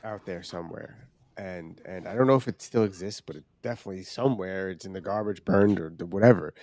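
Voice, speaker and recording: A man's voice: low-pitched, fairly quick, a little mellow. A man co-hosting a podcast, chatting casually in an informal, sweary way. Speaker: podcast co-host. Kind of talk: casual chat.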